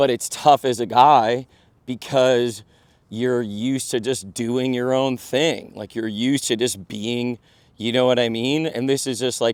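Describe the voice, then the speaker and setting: In a very clean recording with a silent background, a man with a normal speaking voice speaks at a fairly slow pace and medium pitch with fairly even intonation. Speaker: dating coach. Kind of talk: casual monologue. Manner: casual, filler-heavy.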